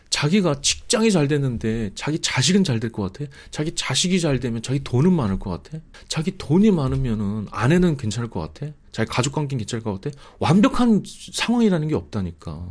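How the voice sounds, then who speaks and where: A middle-aged man giving impassioned advice to his viewers, scolding them and mocking their complaints in whiny quoted voices. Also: medium pitch. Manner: animated, mock-quoting others in whiny voices, scolding. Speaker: video creator answering viewer comments.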